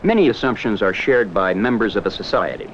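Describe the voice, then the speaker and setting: A man giving measured, explanatory scripted narration for a 1970s educational film. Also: on the low side, lively intonation, dull audio, a little hiss or hum.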